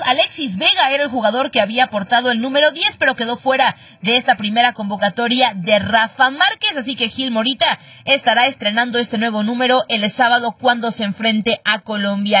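A woman reading a sports news report, with steady delivery and small hesitations. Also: a little high, breathy edge, no echo, far from the mic.

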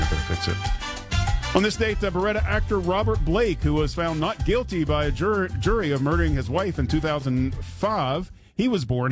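A man hosting a radio news hour, reading date trivia in a smooth, practiced radio host patter with small slips. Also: a little high.

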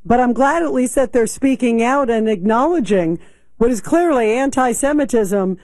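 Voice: medium pitch, no room sound. A talk radio host commenting emphatically and sounding incredulous, taking calls.

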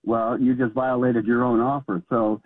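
A man from California calling in to a talk radio show, explaining his point haltingly with many restarts. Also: medium pitch, level tone, dry recording. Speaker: caller. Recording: phone line.

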